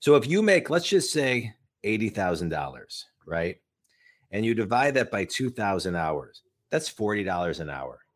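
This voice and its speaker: On a very clean recording with a silent background, a man with vocal fry speaks at a moderate pace, his fairly low pitch swinging very widely. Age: 40s. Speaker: business coach. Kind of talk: podcast interview.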